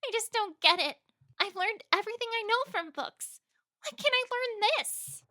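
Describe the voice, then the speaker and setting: High-strung young female pony played by a woman, very high, wildly swooping voice, melodramatic, fan audio drama. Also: moderate pace, heavily acted. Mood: frustrated. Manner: melodramatic, excitable.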